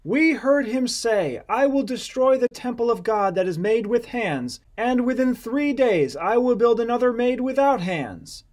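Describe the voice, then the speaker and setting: A man's voice: very high voice, animated, a little slow, few pauses, darkish tone, voice pushed up. A man voicing an accusatory false witness at a trial in a scripture audiobook, declaiming the testimony. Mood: accusing. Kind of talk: dramatized scripture audiobook reading.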